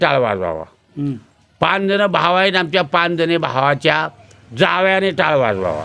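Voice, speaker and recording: A man with a high pitch talks with ordinary pitch variation. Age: 70s. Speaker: kirtan performer. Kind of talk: interview.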